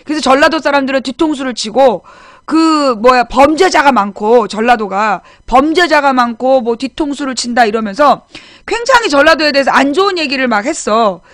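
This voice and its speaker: A woman's voice: high-pitched, lively intonation, normal speed, a bit bright, dry recording, clean studio sound. A woman in her forties hosting a live political chat show, recalling her childhood in a rambling, chatty way with frequent restarts. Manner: chatty storytelling with frequent restarts, reads viewer names aloud. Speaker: political talk show host. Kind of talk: casual live-stream chat.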